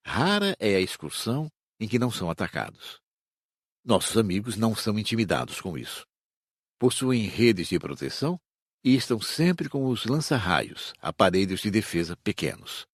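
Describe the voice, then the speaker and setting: A man's voice: fairly low pitch, slightly rough, no room sound, clean studio sound, full character voice. A Brazilian man playing an earnest spirit teacher, explaining with emphasis in an audiobook dialogue. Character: earnest male spirit teacher, admiring and instructive.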